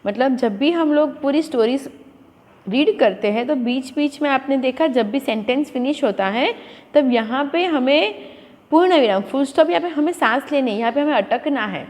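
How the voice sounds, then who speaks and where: A woman's voice: high-pitched, animated, moderate pace, darkish tone. A woman teaching a school lesson to children, explaining patiently and mixing Hindi with English words. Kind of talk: classroom lesson. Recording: long echoing reverb.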